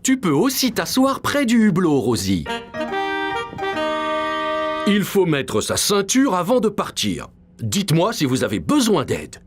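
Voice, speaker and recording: A woman's voice: lowish voice, wildly swooping pitch, unhurried, long pauses, over music. A woman voicing a friendly, cheerful flight attendant in a children's cartoon, welcoming and helpful.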